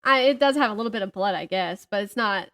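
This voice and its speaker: A woman's voice: mid-range voice, quick pace, fairly bright tone. A woman in her thirties chatting casually about books as a podcast co-host, giggly and gushing. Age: 30s.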